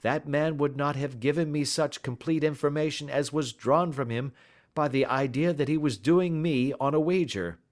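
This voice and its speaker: A man voicing a calm, shrewd gentleman detective who speaks blandly and with assurance in a storybook reading. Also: fairly high pitch, moderate pace, voice pushed up, close to an everyday voice. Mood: musing. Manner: bland, smooth and self-assured.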